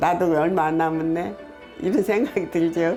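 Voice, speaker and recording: With music in the background, a woman speaks at a very deep, low pitch. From South Korea. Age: 80s+. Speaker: film director. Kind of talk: interview answer.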